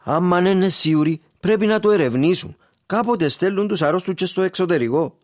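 Actor as a patient Cypriot son, calm reassuring tone, slightly high voice. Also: male voice, natural voice. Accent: Cypriot Greek. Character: worried patient grown son, soft with his mother.

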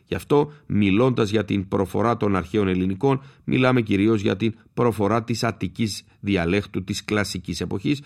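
Low gravelly-voiced man explaining steadily. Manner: measured, explanatory, spells out letters slowly. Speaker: linguist giving a lesson. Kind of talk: scripted educational talk.

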